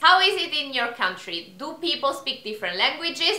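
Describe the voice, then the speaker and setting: Projecting a raised voice at a moderate pace, a woman with an Italian accent swings her pitch very widely amid noticeable background noise. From Italy, Rome. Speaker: vlogger. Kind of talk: casual vlog chat to camera.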